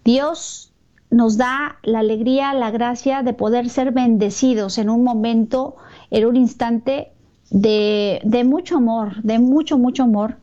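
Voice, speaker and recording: Mexican woman doing a catholic talk, mellow voice, lots of ums and restarts, kinda dull lo-fi sound. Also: fairly high pitch, unhurried. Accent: Mexican Spanish. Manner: hesitant, many fillers and repeated words. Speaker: Catholic speaker. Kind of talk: religious talk to an audience. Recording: dull lo-fi recording.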